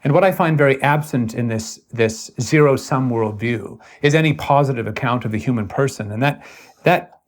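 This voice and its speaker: Earnest, deliberate man in intellectual conversation. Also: mid-range voice. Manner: earnest, deliberate, halting with repeated phrases. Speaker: interviewer in a long-form conversation.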